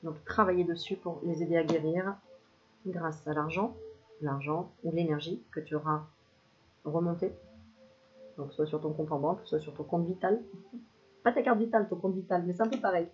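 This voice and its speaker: A woman giving a casual spiritual card reading to the viewer, chatty and quick to laugh, self-filmed at home. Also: lowish voice, steady tone. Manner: chatty, laughs often, addresses viewer familiarly. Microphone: self-filmed camera. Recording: slightly dull lo-fi sound, faint hiss.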